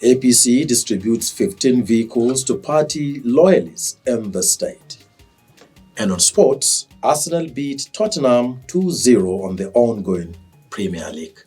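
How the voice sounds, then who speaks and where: A Nigerian man reading scripted television news as anchor, in a formal, measured manner. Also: mid-range voice, animated, dark tone, husky, recorded from a distance, soft background music.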